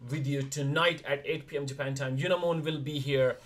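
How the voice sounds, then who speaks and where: A young man from India chatting casually on a livestream, talking in quick bursts with frequent restarts. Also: medium pitch, fairly even intonation, a little hiss or hum. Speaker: streamer, wrestler co-host.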